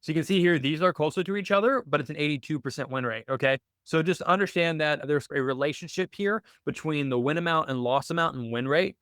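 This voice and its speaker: A man with a clear, slightly higher-set voice hosts a live online tutorial. He walks through settings in an explanatory way, posing questions and answering them. The sound is close and dry. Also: fast talker, hardly any pauses, fairly bright tone, no room sound. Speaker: webinar host teaching options trading bots. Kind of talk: live screen-share Q&A walkthrough.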